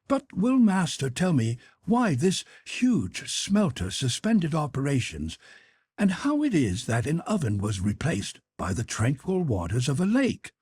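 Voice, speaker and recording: Man putting on a high, husky, eager manservant. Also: wildly swooping pitch, a little slow, a little mellow, no echo, full character voice. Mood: eager, curious. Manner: courteous, earnest, inquiring. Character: polite, eager, inquisitive manservant to a professor.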